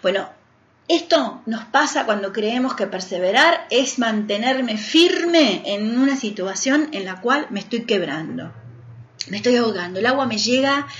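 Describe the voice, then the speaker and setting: A woman's voice: medium pitch, a little hiss or hum. Earnest Argentine woman radio host. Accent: Argentine Spanish. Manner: earnest, persuasive, addresses the listener directly. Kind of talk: spiritual radio talk. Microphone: studio radio mic. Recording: roomy, dull AM radio broadcast.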